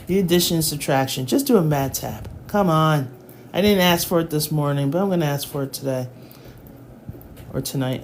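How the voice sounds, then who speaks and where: A woman's voice: low voice, slight background noise. A woman math tutor in her forties, chatting and teasing her live chat between lessons, talking into her phone at home. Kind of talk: casual livestream lesson.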